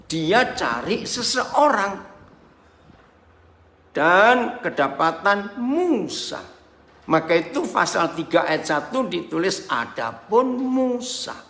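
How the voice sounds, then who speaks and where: A male pastor preaching a sermon over a video call, dramatic, swinging between shouts and quiet asides and asking his listeners rhetorical questions. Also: sits high, sing-song, slow, roomy sound. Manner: asks the congregation rhetorical questions.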